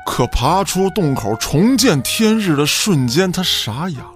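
A man's voice: a little high, big pitch swings, measured pace. A man giving dramatic scripted narration for a radio play in a theatrical storytelling manner. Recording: music behind the voice.

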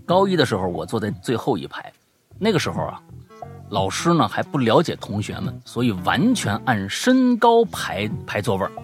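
A male podcast host reading listener stories aloud and chatting about them, talking in a lively, excitable way and stammering and repeating himself when worked up. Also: on the low side, normal speed, faint music behind. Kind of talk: casual storytelling podcast.

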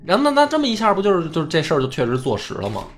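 A man tells a history tale with a lively voice that leaps up and down. He acts out the quoted lines and swears casually. Faint music plays underneath. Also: on the high side, racing. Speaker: history podcast host. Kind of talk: casual storytelling chat.

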